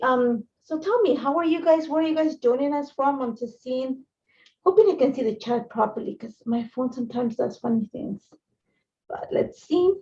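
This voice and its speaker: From her craft room at home, a middle-aged Ecuadorian woman runs a relaxed crafting livestream, rambling, chatting and calling out viewers by name. Her voice sits high yet has a dark tone. She streams using a phone and laptop, and the audio is dull and lo-fi.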